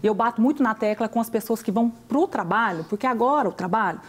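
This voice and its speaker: A woman's voice: on the high side, animated, fast. A Brazilian woman hosting a talk show, chatting casually and giving her opinion. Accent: Brazilian Portuguese. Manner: brief agreeing interjections, then opinionated. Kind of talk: casual chat.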